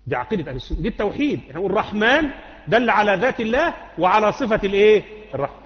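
A man's voice: high-pitched, big pitch swings, rapid-fire, fairly bright tone. Egyptian man quizzing a class on creed. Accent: Egyptian Arabic. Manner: quizzing, repeating, drawing answers from the class. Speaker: Islamic creed teacher. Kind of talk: classroom lecture with questions to students. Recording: muffled lecture hall recording with long echo.

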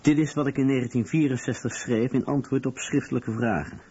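A man's voice: medium pitch, steady tone, a little fast, dark tone, husky. A man reading translated testimony as a scripted documentary voice-over. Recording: dull lo-fi radio recording.

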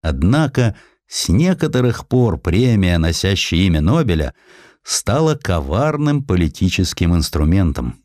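Low, expressive male narrator, very dry sound. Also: a little slow, no room sound. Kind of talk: dramatic scripted narration of historical essay.

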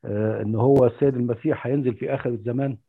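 A man's voice: mid-range voice, fairly even intonation, very fast, slightly rough. A man with an Egyptian accent calling in with hesitant, filler-heavy questions over a phone-like line. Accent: Egyptian Arabic. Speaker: caller. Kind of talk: call-in question. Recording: tinny phone-like call line.

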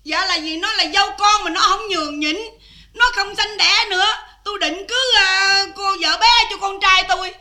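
An actress playing an older, loud, scheming village mother-in-law in a Vietnamese cải lương stage drama, wailing and shouting. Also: very high-pitched, moderate pace, exaggerated voice. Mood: pleading. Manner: wailing, shouting, theatrical crying.

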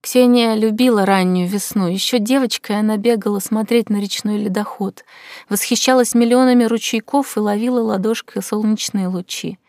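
A woman narrating an audiobook in a measured, expressive reading. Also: medium pitch, dry recording. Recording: dry close recording.

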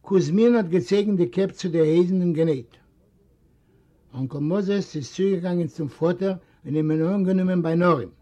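High-voiced male audiobook reader. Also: normal speed, warm tone. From Eastern Europe. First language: Yiddish. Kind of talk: read-aloud literary narration. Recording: dull lo-fi recording.

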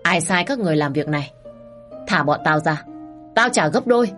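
A woman's voice: low voice, animated, normal speed, a bit bright, faint music behind. A woman voicing a proud, hot-tempered young master who talks in a commanding, threatening way. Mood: defiant.

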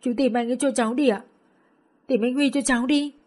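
Woman narrator playing a grief-stricken young woman, pitch climbing high as she begs. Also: fast, darkish tone, close to an everyday voice. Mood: pleading. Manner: begging, sobbing pleas. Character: grieving young woman, desperate and pleading.

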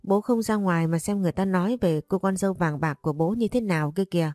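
A woman's voice: lowish voice, mellow, no echo, clean studio sound, close to an everyday voice. A woman voicing a grown daughter who gossips bluntly and indignantly. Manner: blunt, fast and scolding.

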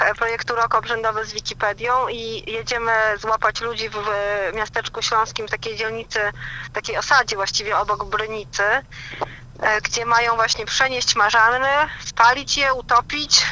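A woman phoning in, her voice played into the studio over a speakerphone. The tone is very bright and sharp. She reports casually, with pauses and fillers. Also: on the high side, little pitch movement, a little hiss or hum. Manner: hesitant, talks with fillers while traveling. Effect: phone call played on speakerphone. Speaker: caller reporting from a field trip.

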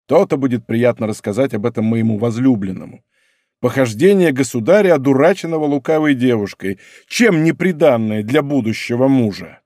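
A man's voice: medium pitch, expressive, a little fast, a little mellow, dry recording, studio quality, natural voice. A man reading an audiobook, voicing a proud king who speaks coldly and sarcastically. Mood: cold mockery. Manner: cold, sarcastic, restrained. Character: cold, proud, mocking young king.

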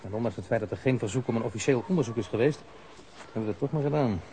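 An actor playing a courteous, evasive police official in a radio play, speaking in a measured, officious way. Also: male voice, mid-range voice, dark tone, slight background noise, close to an everyday voice. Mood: guarded, officious. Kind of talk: Dutch radio play acting.

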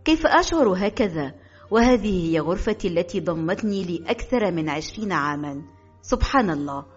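Husky Egyptian woman reading a story. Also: fairly low pitch, animated, fairly quick, faint music behind. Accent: Egyptian Arabic. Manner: emotional storytelling mixing formal Arabic and dialect. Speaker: audiobook narrator. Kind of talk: first-person audiobook narration. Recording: dull, lo-fi audio.

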